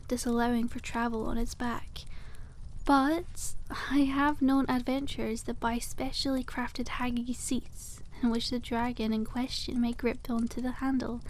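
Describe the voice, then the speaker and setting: A cute young witch shopkeeper played by a woman talks in a fairly high, soft ASMR voice. She is cheerful and quaintly polite, gently selling dragon eggs to a customer. There is noticeable ambient noise behind her. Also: natural voice, poor audio. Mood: candid, friendly. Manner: gentle sales patter, quaint polite wording. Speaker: ASMR roleplay performer. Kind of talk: soft-spoken ASMR roleplay, one-sided conversation with a customer.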